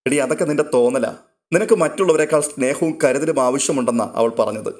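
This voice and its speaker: A man's voice: medium pitch, fairly quick, a little mellow, natural voice. A man reading a story aloud and voicing a friendly young man who teases and nudges a younger girl. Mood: teasing. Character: friendly young man, teasing older cousin.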